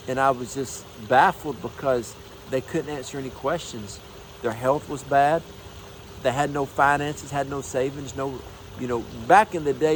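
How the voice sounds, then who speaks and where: An energetic man in his forties, a minister talking casually to the camera, emphatic, telling folksy stories. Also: medium pitch, slight background noise, low-quality recording. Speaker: minister and motivational speaker. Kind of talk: casual motivational talk to camera.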